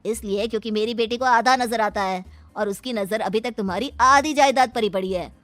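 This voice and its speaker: A woman's voice: a little high, fairly quick, fairly bright tone, dry recording, natural voice. A woman voicing a smug, gloating rich father. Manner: smug, taunting. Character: scheming older man, bride's wealthy father, gloating. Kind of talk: cartoon voice acting.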